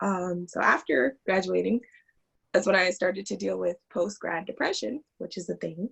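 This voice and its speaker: This woman has an American accent and a medium pitch, with some vocal fry. Her intonation is lively and her pace moderate. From Florida. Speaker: network marketer. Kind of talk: testimony.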